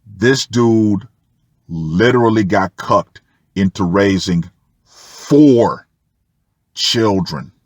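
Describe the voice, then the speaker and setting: Slow-talking man reading aloud, dry recording. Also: fairly low pitch, expressive, dry recording. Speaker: host of a commentary channel. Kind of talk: reading a personal post aloud with asides.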